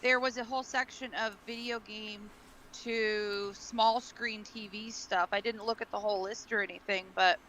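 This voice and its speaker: A woman's voice: mid-range voice, fairly even intonation, normal speed, pushed and bright, slight background noise, low-quality recording. A woman offering her thoughts in a casual panel discussion. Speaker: podcast co-host or panelist.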